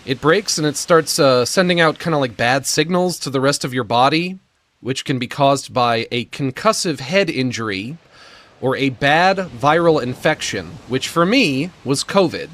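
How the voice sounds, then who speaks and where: Male streamer, squeaky and breathless; slurred, lisping delivery with stammers, slow self-mocking pace. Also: animated, fairly bright tone, no echo. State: short of breath, gasping before sentences. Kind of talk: prerecorded monologue.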